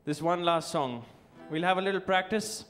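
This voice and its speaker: A man's voice: sits high, normal speed, fairly bright tone. A male singer-songwriter chatting between songs at a live festival show, effusive and thankful, coaxing the crowd to sing along, his voice worn from singing. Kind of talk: live stage banter with audience. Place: live music festival stage. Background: guitar playing.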